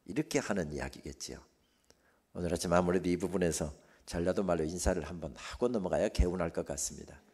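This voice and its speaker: A man preaching as a guest pastor at a church revival meeting, moving between hushed, near-whispered phrases and loud, rising climaxes. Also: sits low, quick pace, breathy edge. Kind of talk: sermon. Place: church sanctuary.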